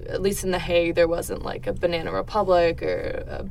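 A young adult woman giving casual answers as an interviewee in a relaxed conversational interview. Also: fairly low pitch, a little fast, gravelly. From Netherlands. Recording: faint background noise.

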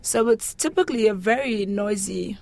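A woman's voice: mid-range voice, normal speed, gravelly, darkish tone. Young Nigerian woman chatting expressively. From Lagos, Nigeria. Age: young adult. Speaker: interviewee, international student. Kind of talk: casual interview chat.

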